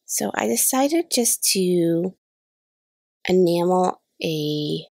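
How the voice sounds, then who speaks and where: A woman's voice: on the low side, lively intonation, drawn-out words, creaky, darkish tone, breathy edge, dry recording, studio quality. A woman in her thirties with a cold and a slightly nasal voice, chatting casually through a voice-over crafting tutorial and laughing off her own mistakes. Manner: chatty, self-deprecating about mistakes. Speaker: card-making channel host. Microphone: voice-over recorded separately.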